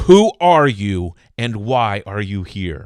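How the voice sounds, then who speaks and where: Putting on a character voice, a man talks very slowly at a fairly low pitch with lively intonation. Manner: stern, commanding.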